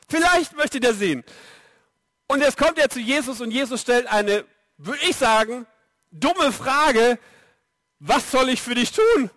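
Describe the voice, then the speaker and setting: A young man preaching a sermon, lively and speaking straight to his audience. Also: very high-pitched, dry recording. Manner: lively, direct address to the audience.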